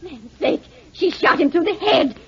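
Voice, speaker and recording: An actress playing a folksy, excitable, plain-spoken sidekick with a raspy voice in a 1940s radio drama. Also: female voice, very high voice, unhurried, very noisy. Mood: alarmed. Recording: muffled 1940s radio recording.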